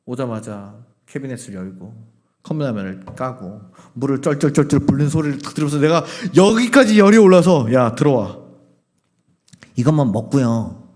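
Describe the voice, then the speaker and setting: A man's voice: mid-range voice, darkish tone. A man preaching a revival sermon as a pastor, telling a story and acting out its dialogue in several voices.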